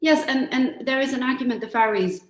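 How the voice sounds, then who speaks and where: A woman from Denmark, a writer and guest, answering interview questions in English in a calm, measured, articulate way. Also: high-pitched, reverberant. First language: Danish.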